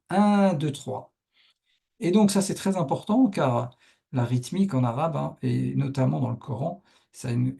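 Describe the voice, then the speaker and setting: A man's voice: mid-range voice, creaky, dark tone, breathy edge. A male Arabic teacher patiently explaining a lesson step by step over on-screen writing, with frequent verbal check-ins to his students.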